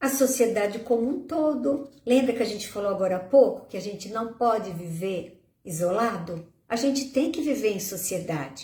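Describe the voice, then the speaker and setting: A woman with a normal speaking voice and a fairly high pitch talks at a moderate pace with lively intonation. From Brazil, São Paulo city. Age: 60s. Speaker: spiritist lecturer. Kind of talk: lecture. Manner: warm, conversational.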